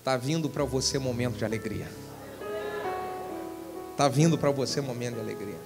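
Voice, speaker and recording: A man, a pastor with a Brazilian Portuguese accent, preaching a fervent sermon that swells into shouts. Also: medium pitch, moderate pace, over music. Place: large church hall. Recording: church hall with long reverb.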